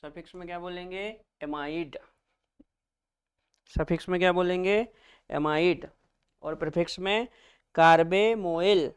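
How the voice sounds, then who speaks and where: A man's voice: sits high, fairly even intonation, unhurried, pauses often, smooth. A male chemistry teacher giving a classroom lecture, naming each term, then asking students to repeat it back, calling them children.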